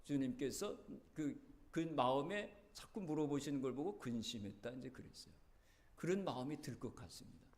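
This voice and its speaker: A man's voice: medium pitch, expressive, normal speed, a little mellow. A male pastor preaching a sermon in a church, telling the story earnestly, his voice rising and dropping. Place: church sanctuary.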